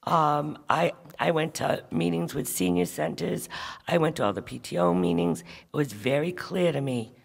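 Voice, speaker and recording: Gravelly councilwoman in a big echoey hall. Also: low-pitched, expressive, normal speed. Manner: firm, insistent, repeats points. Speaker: town council member. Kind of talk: public meeting remarks. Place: large school auditorium. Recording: long hall reverb.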